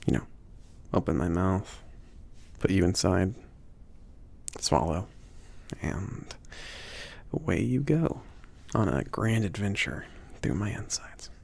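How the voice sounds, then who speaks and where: A man playing a laid-back, gently teasing mage who runs a potion shop, speaking softly and hesitantly in an intimate ASMR roleplay, with a creaky, sometimes breathy voice. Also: deep voice, expressive, takes it slowly, long pauses, full character voice. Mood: casual, teasing. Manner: hesitant, murmured, reassuring, chuckling. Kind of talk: ASMR roleplay, intimate one-sided conversation.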